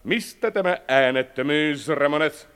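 Actor as a cold commanding dictator, slightly high voice, radio drama. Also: male voice, a bit bright, clean tone, lightly acted. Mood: stern. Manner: curt, imperious, cutting. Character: domineering male dictator president, cold and commanding. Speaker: dictator president. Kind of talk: 1960s radio drama acting.

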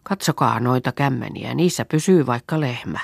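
A woman voicing a wry, sharp-tongued young farm girl in a storybook. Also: very deep voice, vocal fry, breathy edge, dry recording, clean studio sound, exaggerated voice.

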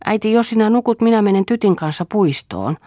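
A woman's voice: mid-range voice, expressive, warm tone, no room sound, clean studio sound, pitched above the performer's own voice, close to an everyday voice. A woman reading the part of a helpful young girl in an audiobook, eager.

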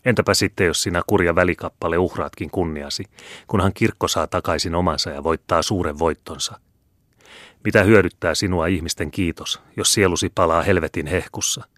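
Guy doing a scornful bossy old jesuit, deep low voice, dry close sound. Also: fairly bright tone, dry recording. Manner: scornful, commanding, menacing. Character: haughty domineering older male Jesuit superior.

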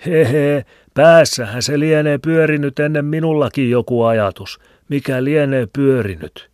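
A man's voice: a little high, a little mellow, dry recording, pitched above the performer's own voice, lightly acted. A man voicing a stubborn, grumbling old village shoemaker with a rambling, folksy way of talking, in a dry close recording. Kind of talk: audiobook reading. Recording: dry close studio sound.

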